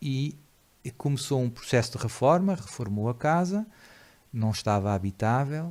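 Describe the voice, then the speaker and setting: At a moderate pace, this voice moves with lively intonation, broken by long, frequent pauses. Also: man, medium pitch for a man. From Portugal, Lisbon. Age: 40s. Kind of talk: interview. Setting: his family home.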